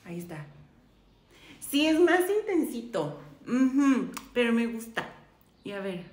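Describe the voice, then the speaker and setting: A woman's voice: a little high, big pitch swings, measured pace, a little mellow. A woman, chatting effusively to viewers while trying on makeup. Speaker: beauty vlogger. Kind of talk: casual makeup try-on chat. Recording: roomy echo, faint room noise.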